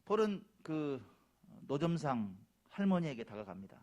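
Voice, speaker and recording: A man's voice: a little high, very animated, normal speed, darkish tone, highs cut off. A male pastor preaching a Sunday sermon in a church, who speaks emphatically, repeats key phrases and talks straight to the congregation. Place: church sanctuary.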